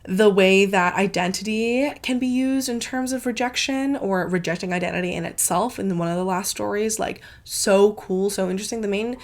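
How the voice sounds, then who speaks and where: A woman's voice: medium pitch, moderate pace, few pauses. A congested woman hosting her book channel, gushing in a casual, filler-heavy review with plenty of swearing.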